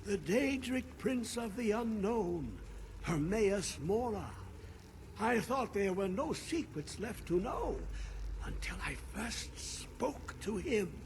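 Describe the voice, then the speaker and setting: A very high-voiced, unhinged old scholar of forbidden lore, from a fantasy game. He rambles in rapture, swooping up and down and lingering slowly over cryptic phrases. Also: slight background noise, full character voice. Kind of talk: theatrical fantasy game acting.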